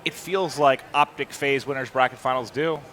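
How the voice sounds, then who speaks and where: A male esports commentator chatting casually between matches, quick and chatty, often correcting himself mid-sentence. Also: mid-range voice, fairly even intonation, fairly bright tone. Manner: fast, chatty, self-correcting.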